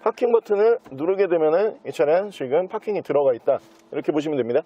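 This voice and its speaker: A man giving an unscripted sales walkthrough as a used car dealer, with smooth, practised salesman patter. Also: fairly high pitch, lively intonation, fast. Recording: dull, muffled lo-fi sound.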